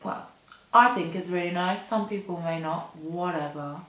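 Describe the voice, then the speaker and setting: A woman's voice: on the low side, moderate pace, fairly bright tone, echoey room. A woman in her twenties, rambling casually to camera while doing her makeup at a mirror, full of "like" and "um" and self-deprecating asides. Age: 20s. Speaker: beauty vlogger. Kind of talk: chatty get-ready-with-me rambling. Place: indoor room at a mirror.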